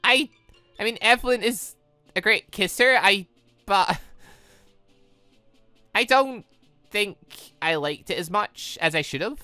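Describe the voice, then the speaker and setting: A woman voicing a flustered, exhausted teenage girl in a dating game, halting, breathless and whiny. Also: medium pitch, animated, pushed and bright, no room sound, faint music behind. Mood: flustered, worn out.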